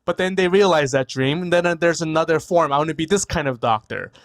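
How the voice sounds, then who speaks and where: A man's voice: on the high side, quick pace. A man in his forties from New York, a guest physician whose first language was Korean. He talks in a casual, thoughtful way, repeats words and often tags on "right?", speaking over a video call from a room at home. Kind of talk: casual interview talk.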